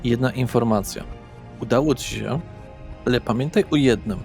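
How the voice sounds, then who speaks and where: A man runs a tabletop role-playing game as game master. He narrates and referees in a medium-pitched voice, with soft music underneath. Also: normal speed, gravelly.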